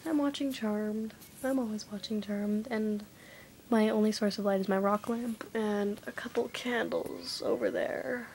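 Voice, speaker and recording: Young woman rambling on camera, lots of "like", kinda whispery, average pitch, slight rumble in the background. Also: fairly even intonation, unhurried, darkish tone, poor audio. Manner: chatty, rambling, many "like" fillers; often drops to a half-whisper. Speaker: vlogger. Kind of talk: casual vlog chat. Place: dim room at home lit by candles.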